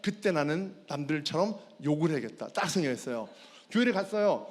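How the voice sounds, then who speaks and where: A man's voice: fairly high pitch, lively intonation, a little fast. A fitness trainer giving a personal faith testimony at a school chapel service. He tells the story with animation and keeps calling out to the audience. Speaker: fitness trainer and guest speaker. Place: large worship hall. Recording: long hall reverb.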